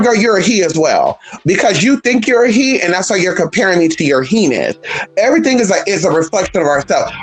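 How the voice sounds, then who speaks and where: A trans woman vlogging a blunt, profane, sassy rant in an emphatic, animated way. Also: medium pitch, slightly rough. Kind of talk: casual vlog rant.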